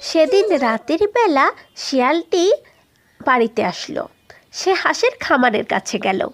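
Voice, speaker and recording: A woman's voice: high-pitched, sing-song, a little slow, a little hiss or hum. A woman narrating for children as the storyteller and host of a cartoon channel.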